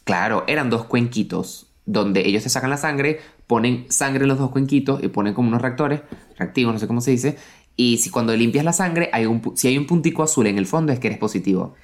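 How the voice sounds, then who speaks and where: A young man talks at a rapid clip. His voice sits at an ordinary middle pitch. He tells stories in an expressive, casual way. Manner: fast, expressive storyteller. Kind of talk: casual chat.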